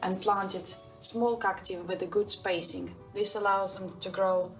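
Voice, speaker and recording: An Estonian woman gives an earnest video tour of her indoor garden in a plant-filled home, her phrasing slightly non-native. Her mid-range voice is level and measured, picked up from a distance in an echoey room with faint music in the background.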